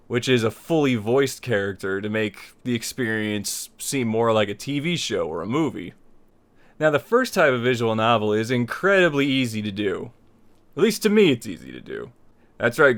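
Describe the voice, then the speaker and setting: Man, tutorial host, smooth clear voice, medium pitch, informal explaining, conversational, rephrases as he goes. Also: fairly bright tone. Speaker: host of a tutorial series on making visual novels. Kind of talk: casual scripted-outline tutorial talk to viewers.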